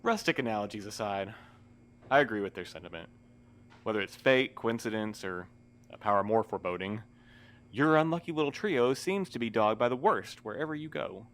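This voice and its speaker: An actor in an audio drama playing a weary postmaster who speaks formally with dry, sardonic wit. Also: male voice, on the low side, animated, fairly quick, lightly acted. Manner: formal wordy phrasing, dryly sardonic.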